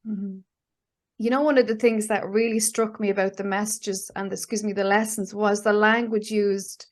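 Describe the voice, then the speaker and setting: A woman's voice: mid-range voice, little pitch movement, normal speed. A woman, hosting a casual online interview with enthusiasm, full of fillers and restarts. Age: 50s. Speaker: host. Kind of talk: casual video-call interview.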